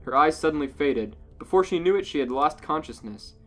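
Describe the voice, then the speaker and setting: A man's voice: fairly high pitch, expressive, a little fast, fairly bright tone. A man co-hosting a podcast, reading out comic fan fiction as a narrator. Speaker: podcast co-host reading a story. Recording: music playing under the voice. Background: music.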